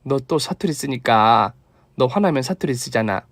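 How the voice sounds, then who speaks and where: A man's voice: medium pitch, lively intonation, moderate pace, no room sound. A man voicing a thrifty, kind elderly mother-in-law who fusses and scolds affectionately. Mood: fond.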